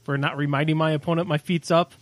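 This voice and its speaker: A man's voice: a little high, level tone, fast, no echo. A man chiming in on a tabletop game commentary with blunt, needling questions. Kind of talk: casual banter.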